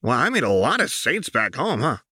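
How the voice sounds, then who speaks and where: A man's voice: medium pitch, sing-song, normal speed, pushed and bright, breathy edge, no echo, voice pushed up, exaggerated voice. A man voicing a manic, taunting young woman outlaw in an audiobook, with teasing, sing-song questions. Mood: casually taunting. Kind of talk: audiobook character voice.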